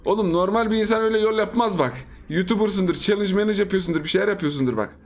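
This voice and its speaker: A man's voice: high voice, quick pace. A young man giving playful gameplay commentary for his channel, joking, teasing opponents and laughing often. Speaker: gaming YouTuber.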